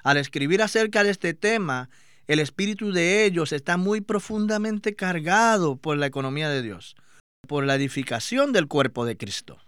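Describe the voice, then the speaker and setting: Male reader, smooth clear voice, slightly high, steady formal reading, dry sound. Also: moderate pace, no echo. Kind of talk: scripted religious reading.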